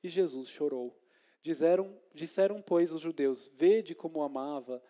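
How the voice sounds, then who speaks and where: Mellow-voiced deacon preaching conversationally. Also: male voice, on the high side, moderate pace. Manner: conversational preaching with frequent tag questions; retells scripture in lively dramatized scenes. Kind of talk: sermon. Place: church.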